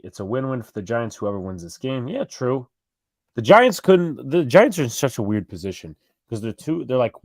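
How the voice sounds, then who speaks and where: A man's voice: medium pitch, a little mellow, no room sound, studio quality. A man with a New York accent co-hosting a live fan stream, calling plays and chatting with viewers in a rambling, self-correcting way. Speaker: live stream co-host doing play-by-play. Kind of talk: casual live play-by-play and fan chat.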